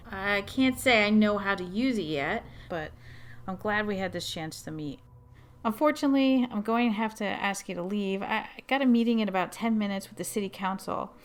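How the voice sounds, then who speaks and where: A woman's voice: mid-range voice, moderate pace, close to an everyday voice. A woman playing a welcoming but worried middle-aged mayor in an audio drama, speaking in a courteous, direct, articulate way. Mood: courteous, brisk.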